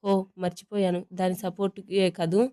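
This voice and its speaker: Whiny, teasing young brother, read by a female storyteller, mellow and smooth, flat. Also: fairly low pitch, normal speed, natural voice. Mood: dramatic. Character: cheeky joking young man, playful brother.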